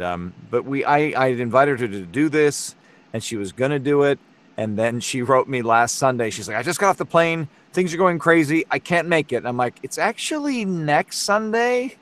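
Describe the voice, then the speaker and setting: A man talking casually as a guest on a podcast, halting and restarting as he tells an anecdote. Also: medium pitch, a bit bright. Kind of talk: casual conversation.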